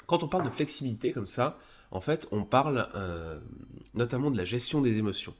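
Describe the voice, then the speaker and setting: A man who has a cold, hosting a live stream, explaining a psychology article in a casual, halting way with many fillers and restarts. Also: medium pitch, animated. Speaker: streamer presenting a psychology review.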